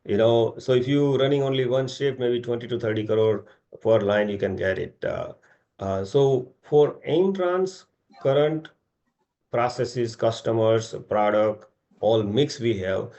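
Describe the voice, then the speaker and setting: A man's voice: medium pitch, measured pace, mellow, highs cut off. A middle-aged man with an Indian accent, answering investor questions informally as a company executive in a rambling way, often seeking agreement with tag questions.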